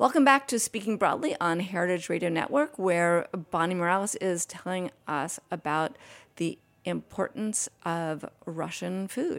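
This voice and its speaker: A woman with a normal speaking voice talks at a medium pitch and a fairly slow pace, her intonation lively. The recording is very clean, with a silent background. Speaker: podcast host, food editor. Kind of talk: interview.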